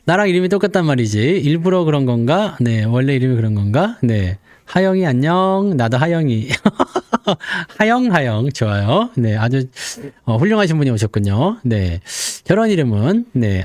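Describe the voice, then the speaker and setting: A man's voice: mid-range voice, big pitch swings, moderate pace, few pauses, darkish tone, no room sound, studio quality. A man hosting a stock market livestream. He chats casually and jokes as he greets viewers by name, one after another. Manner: chatty, jokey, reads viewer names one after another. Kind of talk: casual live-stream chat greeting viewers.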